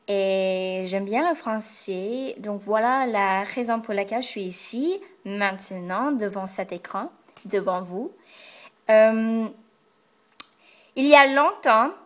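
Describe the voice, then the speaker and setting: Slow, careful young American woman. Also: a little high. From United States. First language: English. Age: young adult. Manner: careful, hesitant, with frequent fillers and restarts. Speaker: language learner. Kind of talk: casual talking-to-camera vlog. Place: indoors in front of the camera.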